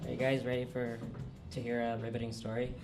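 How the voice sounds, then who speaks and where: A young trans man telling self-deprecating stand-up stories on a comedy club stage, halting often with ums and uhs. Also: monotone, over loud music. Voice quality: fairly low, manly voice. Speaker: stand-up storyteller. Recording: live club recording with audience noise. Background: audience laughter.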